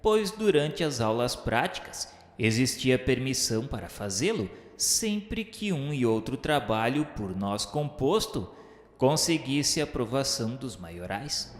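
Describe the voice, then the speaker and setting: An actor with a Brazilian accent playing a solemn male spirit narrator in a radio drama, speaking in formal, measured, declamatory literary phrases. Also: medium pitch. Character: solemn male spirit recounting his afterlife studies and remorse. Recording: echoey hall reverb under music. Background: background music.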